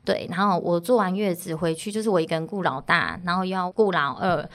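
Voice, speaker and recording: Fast-talking candid mother with Taiwanese accent. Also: fairly low pitch. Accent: Taiwanese Mandarin. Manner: candid, chatty, laughs between phrases. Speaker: podcast guest, mother of three. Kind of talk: casual interview talk.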